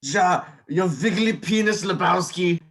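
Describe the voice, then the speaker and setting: A man's voice: sits high, a little slow, fairly bright tone. A man playing a menacing, absurd nihilist thug in a table read. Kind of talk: amateur virtual table read.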